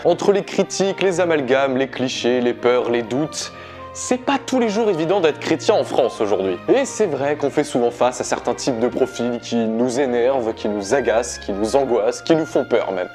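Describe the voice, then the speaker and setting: A man's voice: mid-range voice, darkish tone. A man hosting a faith advice vlog, talking in an upbeat, direct and joking way. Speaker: faith video host.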